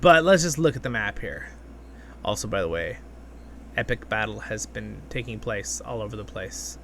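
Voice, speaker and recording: A man hosting a gaming video with casual, excitable commentary, talking half to himself and half to his viewers. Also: lowish voice, normal speed, vocal fry, a little hiss or hum. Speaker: gaming channel host. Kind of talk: casual gameplay commentary, with expressive story reading.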